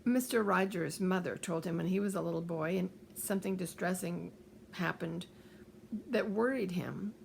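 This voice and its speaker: Older woman, gravelly edge, gentle advice talk, faint hiss behind. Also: on the low side, moderate pace. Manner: gentle, repeats reassuring phrases. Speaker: author giving coping advice. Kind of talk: calm advice talk to camera.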